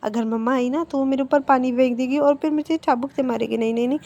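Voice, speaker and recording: A woman voicing a lazy, playful young man who grumbles about sleep and talks excitedly in a storybook retelling. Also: high voice, fast, lo-fi sound. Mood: sleepy protest.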